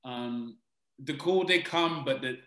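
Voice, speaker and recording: A British man speaks as an interview guest, earnest and reflective, often pausing to restart a thought. His voice is bright and forward. The room around him is noticeably echoey. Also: mid-range voice. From Britain. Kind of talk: conversational interview answers.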